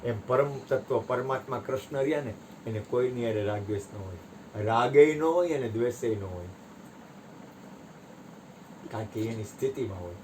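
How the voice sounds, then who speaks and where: A man leads a satsang, his voice sitting at an ordinary middle pitch. He tells parables with animated swings, jumping up loud and high, then sinking to quiet asides. A faint background hiss runs under the talk. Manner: animated storytelling, voice rising and dropping sharply. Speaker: spiritual teacher. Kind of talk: satsang discourse with storytelling.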